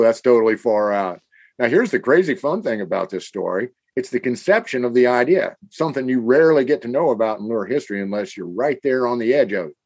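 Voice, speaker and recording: A husky, medium-pitched man from the American Midwest co-hosts a casual scripted podcast chat. He sounds enthusiastic and animated throughout.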